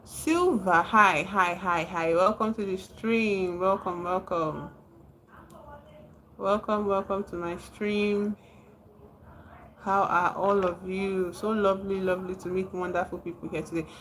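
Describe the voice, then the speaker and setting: A woman's voice: medium pitch, fairly even intonation, measured pace, a bit bright. A woman from Nigeria with a Nigerian accent, chatting casually on a livestream, reading out and answering viewers' comments and laughing often.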